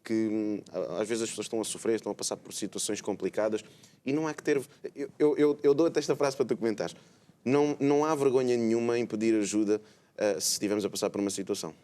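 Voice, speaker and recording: A man's voice: on the low side, steady tone, fast, warm tone. A man with a European Portuguese accent hosting a live religious TV program, talking with many hesitant filler sounds. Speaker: host.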